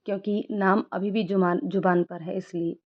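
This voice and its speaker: A woman reading the part of a young male doctor, a quietly heartbroken friend, asking gentle questions in a storybook narration. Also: medium pitch, steady tone, moderate pace, natural voice. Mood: probing. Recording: dull lo-fi recording.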